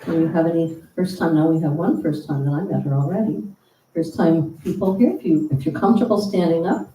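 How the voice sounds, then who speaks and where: The service host, an American woman, speaks a little fast in a low, warm voice as she earnestly greets guests and gives church announcements. Her words come through a distant mic in a roomy space with a faint hum.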